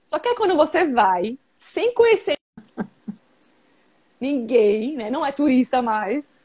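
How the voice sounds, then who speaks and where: A Brazilian woman in her thirties tells her story in a chatty, emphatic way, with lots of fillers. Her voice sits a little high. The sound comes over a video call. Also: big pitch swings, measured pace, darkish tone, husky. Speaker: interview guest. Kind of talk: casual video-call interview.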